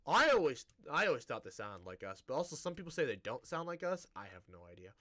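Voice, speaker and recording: A man's voice: on the high side, very animated, quick pace, pushed and bright, no room sound. A man with a Midwestern American accent from the Great Plains, chatting casually and rambling as a gaming streamer. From Great Plains, United States. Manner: rambling, chatty, restarts his sentences. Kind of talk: casual chat while live-streaming a game.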